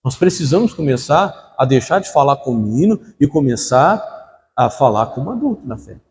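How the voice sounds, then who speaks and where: A young Brazilian man preaches as pastor in a church hall, his medium-pitched voice very animated, moderately paced and a little mellow. He uses call-and-response, calling out questions and asking the congregation to fill in words. The echoey recording carries a little hiss or hum.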